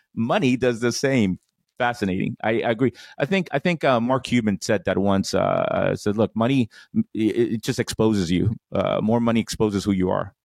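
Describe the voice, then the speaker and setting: A man with a plain, everyday voice speaks at a fairly quick pace and medium pitch, with ordinary pitch variation and very even loudness, in a dry, close sound with no echo. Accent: American. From New York City (South Bronx). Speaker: podcast host, doctor focused on prostate health. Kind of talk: casual interview chat.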